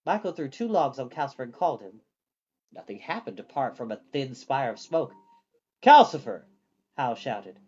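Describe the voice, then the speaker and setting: A storyteller reading a children's book aloud in an expressive, animated way, acting out the dialogue. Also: mid-range voice, normal speed, slightly rough, dull audio.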